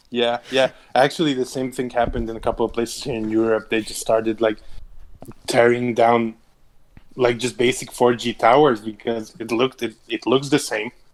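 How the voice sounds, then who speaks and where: In a Hungarian accent, a man speaks at medium pitch. His pace is moderate and his intonation monotone and flat. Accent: Hungarian accent, kept under control. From Hungary. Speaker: music producer. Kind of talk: casual chat. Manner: halting, searching for words.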